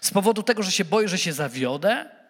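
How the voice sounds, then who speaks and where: A man preaching a sermon who speaks straight to the congregation, animated and repeating words as he stumbles. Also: sits high, quick pace, big-room sound.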